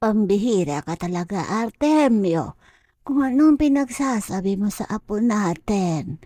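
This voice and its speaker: Fed-up old granny scolding, slow and dry sounding, woman doing her. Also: medium pitch, expressive, dark tone, dry recording. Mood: exasperated. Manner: scolding, exasperated. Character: exasperated old grandmother scolding family.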